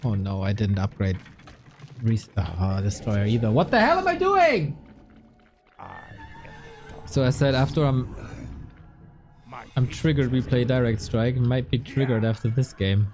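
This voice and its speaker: A man's voice: medium pitch, fairly even intonation, normal speed, mellow, faint music behind. A man doing live gaming commentary as a streamer, full of exclamations and muttered grumbles. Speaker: game streamer.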